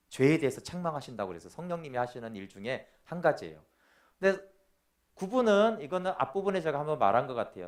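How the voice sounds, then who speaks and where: A male pastor giving a sermon, asking the congregation questions and acting out the voices he quotes. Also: a little high.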